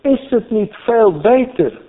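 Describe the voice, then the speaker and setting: A man preaching a storytelling sermon, animated and repeating phrases for emphasis, heard through a thin, phone-like radio broadcast. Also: very high-pitched, takes it slowly.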